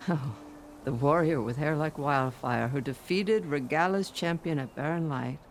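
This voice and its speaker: A man acting a reverent tribal warrior in a video game, speaking in a formal, ceremonious, deliberate manner. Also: on the high side, slight background noise, natural voice. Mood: awed, welcoming. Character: reverent, stately tribal warrior greeting a champion.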